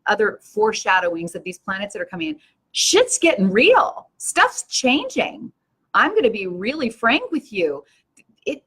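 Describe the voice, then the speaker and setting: An older woman with a bright, forceful mid-range voice hosts her own live-streamed show. She speaks to her viewers earnestly and passionately, in a preachy, rousing style.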